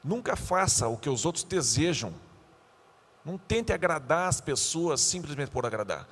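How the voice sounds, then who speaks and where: A male pastor giving a youth sermon, animated and joking, acting out the scenes he tells. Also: on the high side, moderate pace, husky, long reverb tail.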